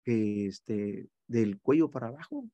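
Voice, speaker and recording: A man's voice: on the low side, animated, unhurried, warm tone, no room sound, highs cut off. A man giving an earnest, teacherly lecture on preaching over a video call, with many fillers. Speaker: speaker on evangelism.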